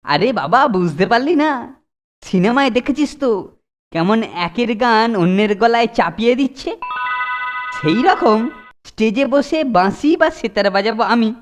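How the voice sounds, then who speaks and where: A woman's voice: a little high, natural voice. A woman doing a bossy schemer boy. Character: scheming teen boy Keltu, bossy senior. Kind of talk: Bengali cartoon dubbing. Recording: music under the dialogue.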